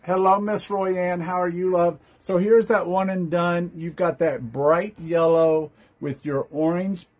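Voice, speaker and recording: A man's voice: high-pitched, fairly even intonation, unhurried, few pauses, darkish tone. A man hosting a casual live-stream jewelry sale, chatty and upbeat, greeting viewers by name as he shows each piece.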